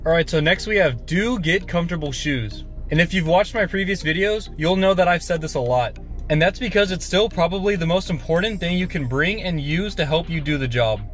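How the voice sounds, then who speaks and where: A man's voice: a little high, lively intonation, fairly quick, faint music behind. A man in his twenties giving casual advice to camera in a vlog, recorded at arm's length inside a car. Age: 20s. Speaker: YouTuber and warehouse worker giving tips. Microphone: phone or camera at arm's length.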